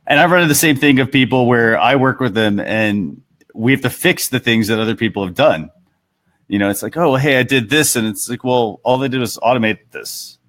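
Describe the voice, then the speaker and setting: A man's voice: mid-range voice, brisk, fairly bright tone. A man hosting a talk show in a casual, conversational way, speaking on a headset.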